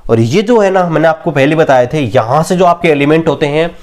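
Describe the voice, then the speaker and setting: A man teaching an exam-prep lesson, slowly chanting mnemonic phrases word by word and often checking in with his students. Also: fairly high pitch, expressive, a little mellow. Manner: casual, repeats phrases, checks in with "theek hai".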